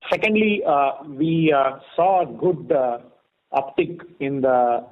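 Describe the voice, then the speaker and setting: A man with an Indian accent presenting company results as an executive, in a halting delivery full of filled pauses. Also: fairly high pitch. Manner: halting, heavily hesitant with many filled pauses. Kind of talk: earnings call presentation with informal delivery. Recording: thin phone-like conference call audio.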